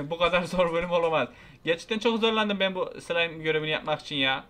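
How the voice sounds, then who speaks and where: High, bright-voiced young gamer. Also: male voice, fast talker. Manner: excitable, frustrated, shouts at game characters. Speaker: gaming YouTuber. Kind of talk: gameplay commentary.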